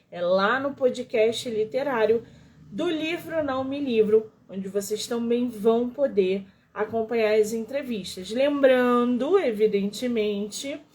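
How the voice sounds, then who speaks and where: A woman's voice: fairly high pitch, a little mellow, a little hiss or hum. A woman from Rio with a Carioca accent, hosting a casual livestream interview with an author, chatty and full of exclamations. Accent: Carioca Brazilian Portuguese. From Rio de Janeiro, Brazil. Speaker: interview host of a literary livestream. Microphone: phone livestream.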